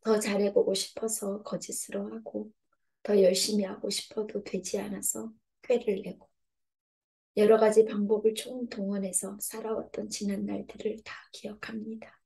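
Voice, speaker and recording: An earnest woman preaching a devotional sermon. Her voice is dark and gravelly, held to a flat, narrow pitch, and she moves between loud appeals and hushed whispers as she voices prayers. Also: normal speed.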